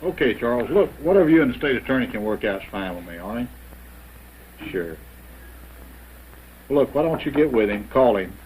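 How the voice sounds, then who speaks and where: An actor playing a measured, businesslike police officer taking details in a 1970s training film. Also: male voice, medium pitch, lively intonation, darkish tone, close to an everyday voice. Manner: measured, questioning. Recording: faintly noisy old film soundtrack.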